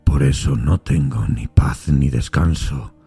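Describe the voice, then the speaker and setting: A tormented railway signalman in radio play, super low husky voice, troubled and grave, faint music under it. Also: warm tone, no echo, heavily acted. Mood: troubled, insistent. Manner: grave, troubled, deliberate storytelling. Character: haunted, anguished railway signalman recounting ghostly apparitions. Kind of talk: dramatised Spanish-language audio fiction.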